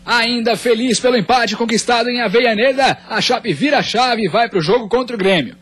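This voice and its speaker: Husky high-voiced male reporter. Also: brisk, fairly bright tone. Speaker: sports reporter. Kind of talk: scripted news narration.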